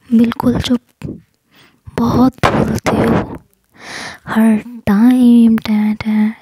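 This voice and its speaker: A woman voicing Rabia, a bossy, sharp-tongued young woman, in whispered role-play. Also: on the high side, a little hiss or hum, close to an everyday voice, rough recording.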